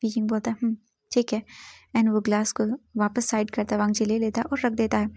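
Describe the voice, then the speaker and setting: A woman's voice: medium pitch, monotone, quick pace, darkish tone, dry recording, clean studio sound. A woman narrating a fanfiction story in a casual, conversational way. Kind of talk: storytelling narration, Hindi mixed with English.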